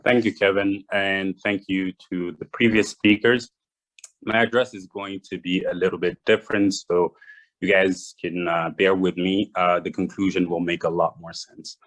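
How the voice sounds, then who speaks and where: A young man from Rwanda giving a prepared address, measured and read from notes with small restarts. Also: low voice, level tone, fairly bright tone, rough recording. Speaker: guest speaker.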